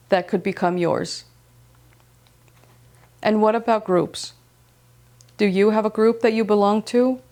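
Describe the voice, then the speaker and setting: A woman from Iceland hosting a slow-living knitting podcast, speaking calmly and gently, first in reflective narration, then in casual chat. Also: medium pitch. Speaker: podcast host. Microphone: wireless transmitter mic.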